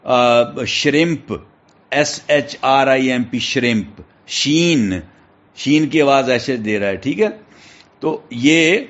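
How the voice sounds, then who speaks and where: Male teacher, Pakistani accent, spells words slowly, muffled lo-fi recording. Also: medium pitch. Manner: spells words letter by letter, checks in with "theek hai". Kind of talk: classroom lecture. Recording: dull lo-fi recording.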